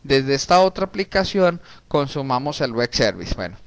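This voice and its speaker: A man, teaching a programming class in a relaxed way while working on screen. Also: medium pitch, normal speed, dry recording. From Colombia. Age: 30s. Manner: casual, talks while typing, frequent restarts and diminutives. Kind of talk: recorded screen-share coding lesson.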